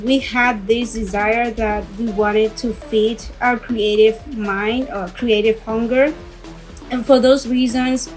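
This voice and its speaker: A young woman from the Dominican Republic, a fashion designer, giving measured interview answers with pauses. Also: a little high, rough recording. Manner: measured, thoughtful with filler pauses.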